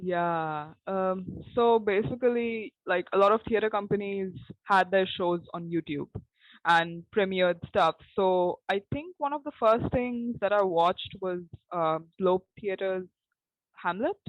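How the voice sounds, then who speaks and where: Young woman playwright in a roundtable chat, mid pitch, kinda hesitant, repeats herself, pretty dry audio. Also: unhurried, no echo, highs cut off. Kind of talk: roundtable discussion.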